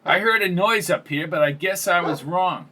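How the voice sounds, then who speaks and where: A brash old landlady with a raised, pushed-up pitch, as a male narrator puts her on, griping and cursing without restraint. She snaps her lines bluntly. A faint hiss sits under the voice. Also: normal speed, sharp tone. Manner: brash, gossipy, curses freely. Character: blunt, foul-mouthed older landlady.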